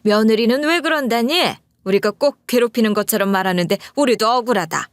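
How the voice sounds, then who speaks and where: A brusque older mother-in-law, quick to scold and order others about. Her voice rises high and pushy, a woman putting her on in a story narration. The sound is dry and close. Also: no room sound, lightly acted.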